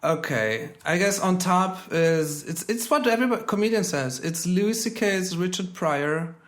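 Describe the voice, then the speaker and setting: A man in his thirties who grew up in Germany, a comedian guest in a casual conversation. His voice sits a little high for a man, and he jokes in a wry, deadpan way. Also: measured pace. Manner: wry, joking deadpan delivery.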